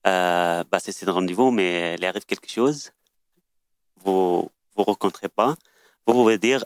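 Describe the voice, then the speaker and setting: A man whose first language is Arabic, explaining a phrase in halting learner French with many restarts. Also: deep voice, no echo, clean studio sound. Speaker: language learner sharing a word. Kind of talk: hesitant casual explaining.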